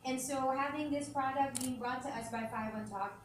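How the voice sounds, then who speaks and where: A woman's voice: high-pitched, moderate pace. A woman speaks candidly and conversationally at a press conference. She laughs easily as she talks. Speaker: radio host, brand ambassador. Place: large event hall. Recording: echoey hall, distant mic, ambient noise.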